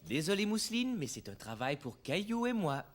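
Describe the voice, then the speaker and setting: An actor voicing a patient, kindly, playful dad in a French-dubbed preschool cartoon, encouraging and gently teasing. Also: mid-range voice, very animated, moderate pace, natural voice.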